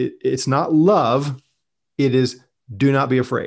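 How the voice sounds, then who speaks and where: Against a quiet background, a man with a fairly high pitch speaks fairly slowly in an unremarkable speaking voice. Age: 50s. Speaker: pastor and seminary president. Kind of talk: casual chat.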